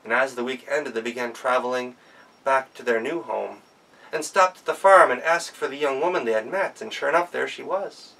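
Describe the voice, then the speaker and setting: A man telling a folktale as a professional storyteller, expressive and deliberate in his delivery. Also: mid-range voice, creaky, distant mic, poor audio. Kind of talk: oral folktale storytelling, performed live.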